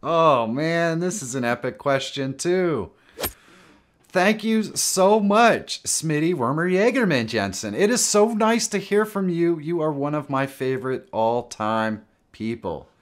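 A man's voice: on the high side, big pitch swings, unhurried. Casual middle-aged man, upbeat. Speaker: live stream host. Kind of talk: casual tutorial chat. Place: small indoor home studio.

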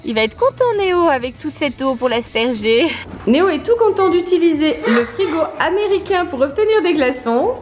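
Very animated and speaking at a moderate pace, a mother who runs a family channel reviews toys outdoors by a pool in a strikingly high voice. She's playful and teasing and laughs often, with soft music faintly in the background.

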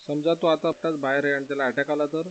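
A man voicing an anxious, harsh middle-aged woman who speaks in a shrill, accusing way. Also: flat delivery, fast talker, a little hiss or hum, natural voice, low-quality recording. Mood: worried.

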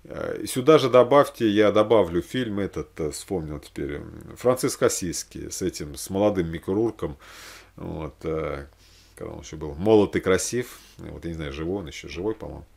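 Talking casually and off the cuff to the camera in a small room at home, a man in his forties who recommends films from a religious angle wanders through his thoughts with halting asides. His voice is deep, creaky and a little mellow, expressive and at normal speed.

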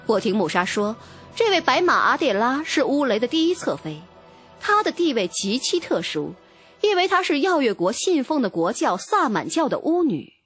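A woman's voice: sits high, very animated, moderate pace, fairly bright tone, breathy edge, soft background music. A woman narrating a novel in a dramatic, scripted first-person storytelling style. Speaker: audiobook narrator.

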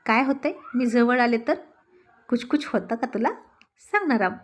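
A woman's voice: fairly high pitch, normal speed, natural voice. A woman voicing a playful young wife who coaxes and teases her husband. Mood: teasing. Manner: coaxing, teasing.

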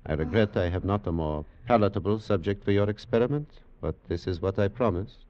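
A man playing a skeptical, wry senior hospital doctor with formal, measured phrasing, in 1940s radio drama style. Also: lowish voice, lightly acted. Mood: grave, wry. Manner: measured, formal, dryly humorous. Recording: dull vintage 1940s radio recording.

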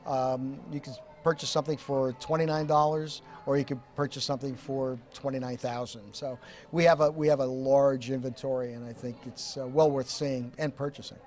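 A man's voice: medium pitch, little pitch movement, moderate pace, a little mellow. A man in his sixties who owns a jewelry store, talking in a friendly sales manner into a reporter's handheld mic in a mall. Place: indoor shopping mall.

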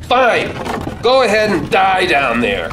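A man's voice: sits high, wildly swooping pitch, slow pace, noisy background, full character voice. A man playing a defiant, blunt survivor taking charge in a radio play. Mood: scornful, defiant. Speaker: actor in a staged radio play. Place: theater stage. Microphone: stand microphone. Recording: music behind, live stage.

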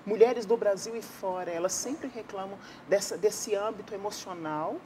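A woman guest on a faith-based talk show, delivering testimony with firm emphasis and slowed, stressed phrases. Her voice sits mid-range. Clear background noise hums under the studio audio. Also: mid-range voice. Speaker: guest counselor who sees many women. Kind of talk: religious TV talk.

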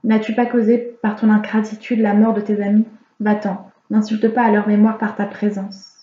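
A woman's voice: medium pitch, flat delivery, moderate pace, natural voice. A woman reading the lines of a big toad in a fairy tale, speaking in a stern, reproachful way. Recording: roomy, slightly dull home recording.

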